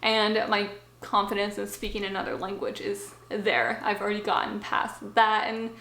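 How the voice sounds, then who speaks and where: A woman's voice: mid-range voice, normal speed, creaky, a bit bright, echoey room. A young woman talking to the camera from a small home office, explaining language learning in a casual, chatty way with fillers and asides. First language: English.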